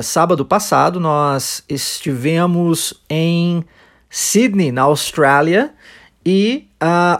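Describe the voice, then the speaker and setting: A man from Brazil hosting a podcast language lesson, explaining English phrases in a didactic way with fillers. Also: on the high side. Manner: didactic, slow model phrases, hesitant fillers. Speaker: language teacher and podcast host.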